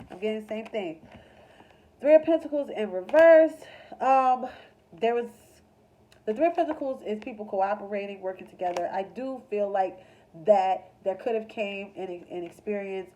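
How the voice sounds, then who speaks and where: A woman's voice: medium pitch, expressive, moderate pace, warm tone, low-quality recording. A congested woman doing a casual, chatty tarot reading with a loose, filler-heavy way of talking. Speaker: tarot reader.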